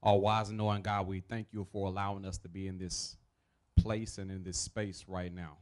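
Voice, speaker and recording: A man, a youth reverend, saying a blessing in a measured, solemn manner, phrase by phrase, into a handheld mic. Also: sits low, flat delivery. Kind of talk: public prayer, blessing. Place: outdoors under a large event tent. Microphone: handheld mic through PA speakers.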